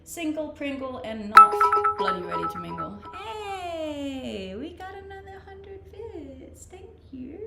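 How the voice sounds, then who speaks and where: A woman's voice: sits high, big pitch swings, slow pace, hardly any pauses, roomy sound, loud music behind the voice. A woman from Denmark with a Danish accent, chatting casually on a live stream as she reads out viewer comments and answers them, laughing often. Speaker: Twitch streamer.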